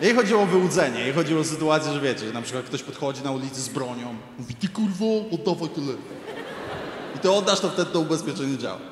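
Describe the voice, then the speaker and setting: A man's voice: mid-range voice, rapid-fire, few pauses, a little hiss or hum. A man performing stand-up comedy, telling a profane story and acting out the people in it. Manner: animated, profane, acts out quoted people. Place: large arena stage. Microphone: handheld stage mic. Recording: echoey arena, crowd ambience. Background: audience laughter.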